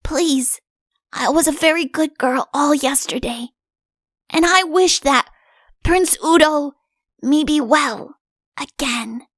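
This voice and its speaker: A woman reading an audiobook, voicing a gentle young girl in a soft, hushed way. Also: sits high, slow pace, long pauses, dry recording, studio quality, pitched above the performer's own voice. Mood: pleading.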